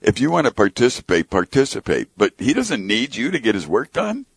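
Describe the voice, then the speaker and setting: A man speaking as a guest on a Christian radio program, earnest and animated, acting out quotes as he tells stories. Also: mid-range voice, fairly quick, creaky, slightly rough, no echo. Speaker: ministry president and radio guest. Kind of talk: casual Christian radio conversation.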